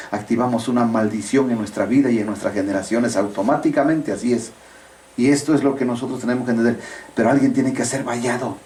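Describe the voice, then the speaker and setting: A man's voice: mid-range voice, darkish tone, recorded from a distance. A male pastor preaching a sermon, often asking rhetorical questions and rising to emphatic bursts. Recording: echoey room, voice off-mic.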